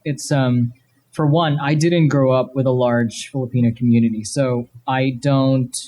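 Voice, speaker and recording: At a live comic convention panel before an audience, a male guest speaks casually and emphatically. His medium-pitched voice is warm, steady, and unhurried, and the live-event recording carries background noise.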